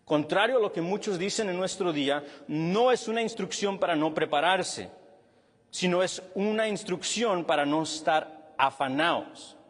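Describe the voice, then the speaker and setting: A male pastor preaching a sermon with a husky voice, animated and then dropping low and quiet to stress a point. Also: moderate pace. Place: church hall with long reverb. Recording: reverberant church hall.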